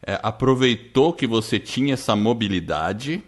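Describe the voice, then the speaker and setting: A man's voice: lowish voice, expressive, normal speed. A man hosting a podcast interview, mostly brief supportive remarks and recapping what the guest said. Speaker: podcast host. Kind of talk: casual interview.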